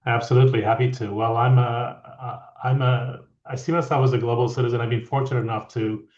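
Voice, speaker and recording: A middle-aged man from France, a guest leadership coach, talking in a reflective, halting way with many restarts. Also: medium pitch, fairly even intonation, a little mellow. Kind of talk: conversational interview. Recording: echoey, dull lo-fi audio.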